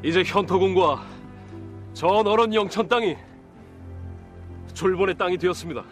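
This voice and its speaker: An actor playing a hard-line, forceful male officer in a historical war drama, formal and emphatic. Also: high-pitched, moderate pace, faint music behind, close to an everyday voice. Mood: proud.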